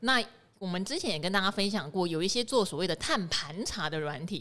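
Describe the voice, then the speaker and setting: Speaking at a fairly quick pace, a woman uses a plain, everyday voice of medium pitch with lively intonation. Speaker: podcast co-host. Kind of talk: casual chat about investing news.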